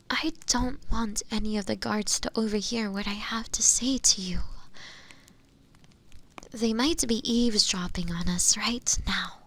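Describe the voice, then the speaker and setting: Woman acting a slow, whispery imprisoned witch. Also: mid-range voice, a bit bright. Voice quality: breathy, whispery. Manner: slow, deliberate, pleading. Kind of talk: dramatic roleplay audio acting.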